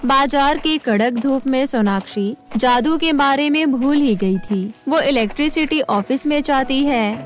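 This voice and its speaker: High-pitched woman narrating a children's story. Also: unhurried, few pauses, soft background music.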